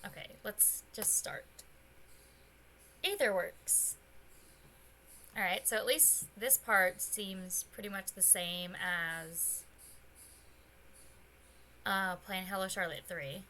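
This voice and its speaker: A young woman chats her way through a game stream at home. Her tone is bright and forward, with a faint rough edge because her voice has not fully recovered yet. She rambles loosely and breaks into sudden excited squeals, over a light hiss of background noise. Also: mid-range voice, takes it slowly, pauses often. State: slightly hoarse, voice still recovering. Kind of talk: casual let's-play chat.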